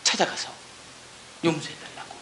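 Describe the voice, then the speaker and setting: A woman's voice: normal speed, fairly bright tone, reverberant, slight background noise. A woman missionary giving an emotional testimony, earnest and tearful, with many exclamations and rhetorical questions.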